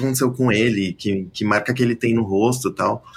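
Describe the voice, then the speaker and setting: With noticeable background noise behind him, a man talks at a moderate pace and medium pitch, his intonation fairly even. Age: 30s. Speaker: book editor. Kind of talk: casual chat.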